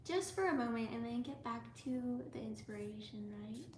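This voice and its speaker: Young woman, livestream host, soft rambling chat, slightly high voice, roomy echo. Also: moderate pace. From United States. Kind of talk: casual livestream chat with viewers. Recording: echoey room with faint ambient noise.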